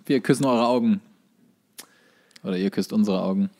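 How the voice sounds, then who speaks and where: A man's voice: on the low side, normal speed, a little mellow. A man, co-hosting a comedy podcast with wry, opinionated banter and wordplay. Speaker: podcast co-host. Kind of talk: casual comic banter.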